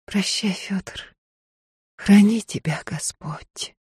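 Soft, hushed, resolute young woman singer, narrator doing the voice, dry. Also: fairly low pitch, normal speed, slightly rough, dry recording. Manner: soft, quiet, restrained.

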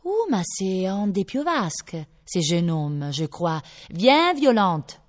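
A woman voicing a tall, thin, haughty aristocratic lady who speaks with poise and quiet command. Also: on the low side, sing-song, slow. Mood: imperious. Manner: poised, commanding, with firmness but no severity.

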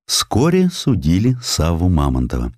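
A man narrates history in a very low voice with lively, theatrical swings of intonation. The sound is dry and studio-close, and the delivery is scripted and expressive. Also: moderate pace, no echo. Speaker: audiobook narrator.

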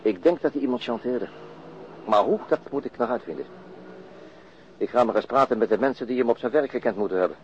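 An actor playing a pensive, plain-spoken police detective in a radio drama, understated and conversational. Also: male voice, medium pitch, lively intonation, a little fast, pauses often, lightly acted. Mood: matter-of-fact. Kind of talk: naturalistic radio drama dialogue. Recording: muffled radio drama recording, clear background noise.

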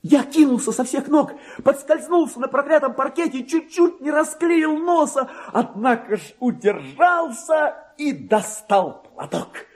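An actor playing a lowly, self-important and excitable government clerk, delivering his diary as a theatrical radio monologue, with exclamations and hushed muttering in a husky voice. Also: a little slow, few pauses. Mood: rapturous, giddy. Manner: exclamatory, swinging from hushed muttering to shrill rapture. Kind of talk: theatrical dramatic monologue, diary read aloud.

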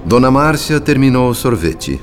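A man's voice: mid-range voice, sing-song, normal speed, soft background music, natural voice. A man with a Brazilian accent playing a grave, watchful spirit who narrates a radio drama in literary, solemn style.

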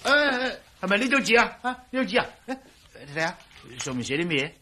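A man playing a timid, fussy old household servant in a Cantonese radio play, with a raspy voice and a fretful, hesitant manner. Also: high-pitched, sing-song, fast, pushed and bright, exaggerated voice. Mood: fussing. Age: older. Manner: fretful, easily alarmed, many hesitant fillers. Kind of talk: 1980s-style radio drama acting.

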